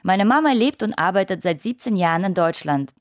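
A woman in her late twenties, from Russia, reading her own first-person essay as calm, measured, wry radio narration. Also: mid-range voice, no echo, studio quality. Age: late 20s.

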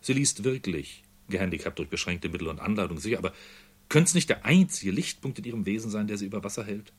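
Husky man reading lively prose. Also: on the low side, fast talker. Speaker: reader. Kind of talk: literary reading in a radio feature.

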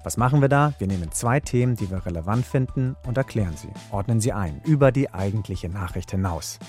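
Male podcast host, low register, scripted promo read, light music behind. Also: animated, a little fast, a little mellow. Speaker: podcast host, radio presenter. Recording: music under the voice.

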